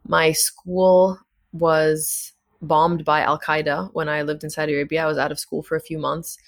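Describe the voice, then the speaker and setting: A woman's voice: sits low, little pitch movement, normal speed. A woman from Egypt, a political science professor, answering interview questions in a thoughtful, earnest way with frequent fillers.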